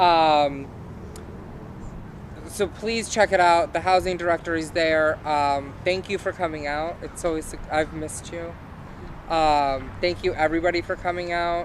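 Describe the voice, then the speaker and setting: A loud, high-pitched man at a fairly slow pace, with fairly even intonation and long, frequent pauses. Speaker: event moderator for recovery housing association. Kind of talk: panel discussion.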